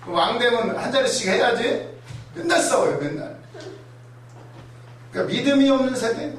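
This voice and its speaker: High-voiced guy preaching, super echoey church hall, mic far away. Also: normal speed, slight background noise. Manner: animated, acts out voices and asides. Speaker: pastor. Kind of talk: sermon.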